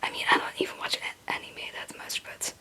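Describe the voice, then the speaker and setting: Brisk, pushed and bright, this young woman's whisper carries a loose, rambling ASMR chat marked by hesitation and self-deprecation. She creates ASMR videos, and English is not her first language.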